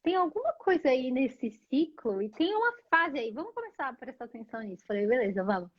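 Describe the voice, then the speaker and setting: A Brazilian woman, a guest on a live stream, telling stories in a casual, animated way and acting out the lines of the people in them. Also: high-pitched, brisk, muffled recording. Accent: Brazilian Portuguese. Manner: animated storyteller, acts out dialogue.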